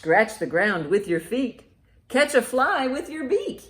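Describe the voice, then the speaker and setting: A woman hosting a children's storytime in an animated, encouraging, sing-song way, with rhymes and picture-book reading. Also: a little high, measured pace. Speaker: library storytime host. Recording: roomy, echoey indoor sound.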